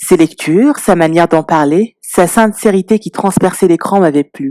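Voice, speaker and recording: Fairly low pitch from a woman, dark and mellow in tone, at a moderate pace with ordinary pitch variation, in a dry, close sound with no echo. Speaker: booktuber. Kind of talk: scripted narration. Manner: reflective.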